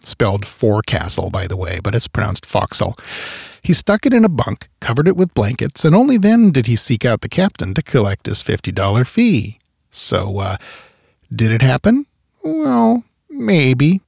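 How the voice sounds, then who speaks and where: Guy reading a history story, wry dry jokes, voice swings up and down a lot, kinda raspy. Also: mid-range voice, wildly swooping pitch, normal speed, a little mellow, dry recording. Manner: wry, dry humorous asides. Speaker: history podcast host. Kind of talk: scripted historical narration.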